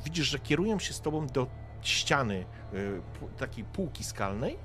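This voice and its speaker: A man's voice: medium pitch, sing-song, moderate pace, a bit bright, faint music behind. A man running a tabletop game as game master, describing scenes directly to the players with frequent hesitations.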